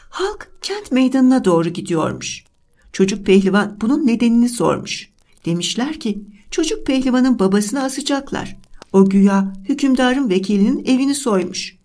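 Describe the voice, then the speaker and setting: A woman narrates an old fairy tale for bedtime listening, gentle and measured. Her voice sits fairly high and moves with a lively, sing-song lilt. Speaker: storyteller.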